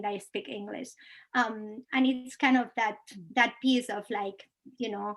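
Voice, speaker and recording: With ordinary pitch variation, a woman keeps a moderate pace. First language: not English (English is her third language). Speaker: kindergarten teacher. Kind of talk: informational presentation to parents. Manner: halting, many fillers.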